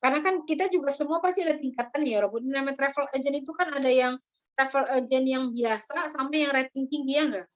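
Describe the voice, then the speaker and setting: A woman teaching a language class, chatty, with many drawn-out fillers, calling on her students by name. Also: high voice. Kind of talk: online class lecture.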